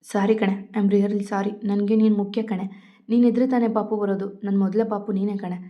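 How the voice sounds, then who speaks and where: Woman doing a sorry young husband begging softly, flat-ish voice, dull audio. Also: mid-range voice, moderate pace, close to an everyday voice. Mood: remorseful. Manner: soft pleading apologies. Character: remorseful young husband, apologetic and tender.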